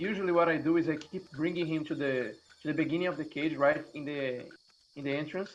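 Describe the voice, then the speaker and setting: A man speaks at a fairly quick pace with fairly even intonation. Music plays in the background. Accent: non-native. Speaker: gamer, fellow speedrunner. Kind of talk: casual chat.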